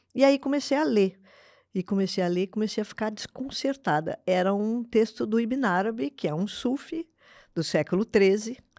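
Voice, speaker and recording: A woman's fairly high voice with a dark, mellow tone, lively intonation and a moderate pace, dry and close with no echo on a very clean recording against a silent background. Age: 60s. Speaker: philosophy of education scholar. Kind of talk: interview.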